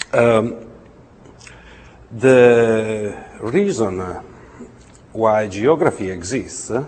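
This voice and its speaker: In an Italian accent, the speaker talks at a very slow pace with long, frequent pauses and audible room echo. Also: man, medium pitch for a man, ordinary pitch variation. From Italy. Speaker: geography researcher. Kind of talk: lecture. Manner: halting, many fillers.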